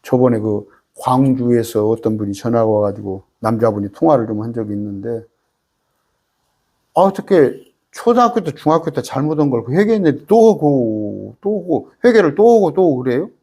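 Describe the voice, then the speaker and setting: A man's voice: mid-range voice, lively intonation, moderate pace, mellow. A male pastor with a Jeolla accent, preaching an emphatic, folksy Bible study sermon full of rhetorical questions. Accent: Jeolla Korean.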